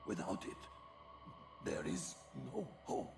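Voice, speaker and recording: An actor playing an ancient, gentle male vampire who speaks in a solemn, slow, gravelly way. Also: over music, close to an everyday voice. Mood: solemn urging. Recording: echoey, distant, noisy game audio.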